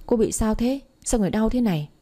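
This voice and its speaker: A feisty teenage girl whose voice rises higher than the storyteller's own, as a woman puts her on. She teases and then fights fiercely in a storybook telling, and the tone stays husky. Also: lively intonation, fast talker, dark tone. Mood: alarmed.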